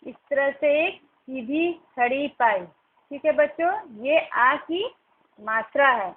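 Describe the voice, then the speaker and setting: Teacher, woman, young adult: high, unhurried, patient, sounds out each syllable; tinny phone-like recording. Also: animated. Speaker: primary school teacher. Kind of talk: recorded online class lesson.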